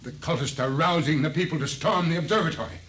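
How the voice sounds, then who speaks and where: Actor as a stern, urgent observatory chief. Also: male voice, on the high side, fast, fairly bright tone, a little hiss or hum, natural voice. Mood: grave, urgent. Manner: formal, urgent, emphatic. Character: stern male observatory director, urgent and formal. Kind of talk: 1950s radio drama acting.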